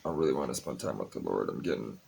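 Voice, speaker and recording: Deep-voiced man rambling tiredly. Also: lively intonation, fast talker, vocal fry, darkish tone. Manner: rambling, confessional, curses freely. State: tired, a bit high. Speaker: vlogger. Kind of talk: casual personal vlog talk.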